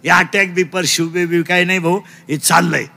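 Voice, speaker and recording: Comic kirtan preacher, a man, high and gravelly, barking questions at the crowd. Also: fairly even intonation, normal speed. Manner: shouting call-and-response with children; mixes broken English into lectures.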